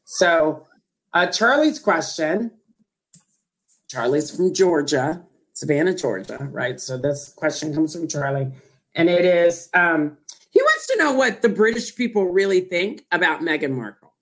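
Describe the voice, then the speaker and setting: A woman with a Southern US accent, hosting a casual chat show and telling a lively story. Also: on the low side, a little slow. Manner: animated storyteller acting out quoted dialogue. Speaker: podcast host.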